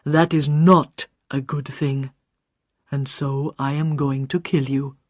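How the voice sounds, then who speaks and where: Sex: man, voiced by a woman reader. Figure: ruthless, commanding villain in a storybook. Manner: cold, threatening. Pace: slow. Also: very deep voice, steady tone, a little mellow, dry recording, clean studio sound, pitched below the performer's own voice, full character voice. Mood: cold threat.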